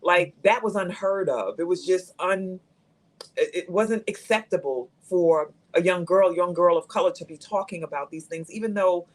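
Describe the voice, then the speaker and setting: A woman's voice: lowish voice, moderate pace, low-quality recording. Reflective woman in her fifties. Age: 50s. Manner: reflective, candid, speaks in long thoughtful runs. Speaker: guest. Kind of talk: candid conversation on a live show.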